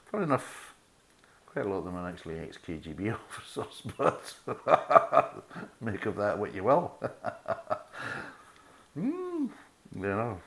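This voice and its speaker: Scottish man, middle-aged, low voice, casual podcast host, chatty, sweary. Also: fairly bright tone. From Scotland. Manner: chatty, swears freely, laughs at own jokes. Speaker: beer review podcast host. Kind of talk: casual chat.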